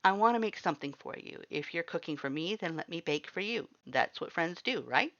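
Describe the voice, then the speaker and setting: A woman's voice: on the low side, expressive, a little fast, fairly bright tone, muffled recording, voice pushed up. A woman voicing a friendly, teasing, generous human houseguest in a story, in a plain, earnest conversational way. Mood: reassuring.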